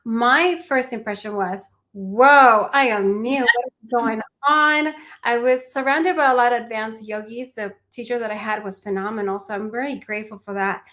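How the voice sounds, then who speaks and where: Young woman from Peru, mindfulness teacher guest, bright-ish higher voice, thoughtful and sincere. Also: normal speed, hardly any pauses. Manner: earnest, reflective, with restarts and small laughs. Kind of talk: conversational interview answers.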